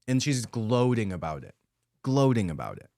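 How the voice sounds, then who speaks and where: A man's voice: medium pitch, sing-song, moderate pace, warm tone, no room sound, studio quality. A man hosting a podcast, giving an emphatic, indignant commentary monologue and repeating his points for emphasis. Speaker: podcast host.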